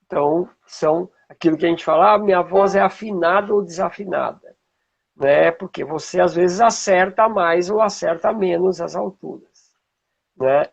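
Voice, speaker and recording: A Brazilian man with a husky, gravelly voice, teaching informally and checking in with rhetorical questions, as a music teacher would. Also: high-pitched, moderate pace, highs cut off. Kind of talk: informal explanatory talk with demonstrations.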